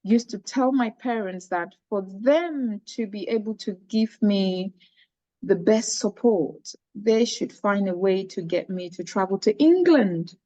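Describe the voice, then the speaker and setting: A woman's voice: mid-range voice, measured pace, dark tone, no echo, dull audio. A middle-aged woman from Cameroon, a charity founder earnestly telling her personal story in an interview, often restarting her phrases.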